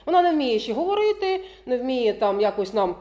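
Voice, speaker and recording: A woman's voice: fairly high pitch, sing-song, brisk, warm tone. A woman giving a lecture to parents, often laughing and checking that listeners follow along. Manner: keeps checking in with the audience; laughs often while talking.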